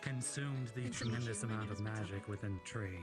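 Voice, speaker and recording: A woman with an unusually deep voice speaks in character in an online roleplay. She explains things calmly and firmly. Music plays clearly behind her. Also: brisk.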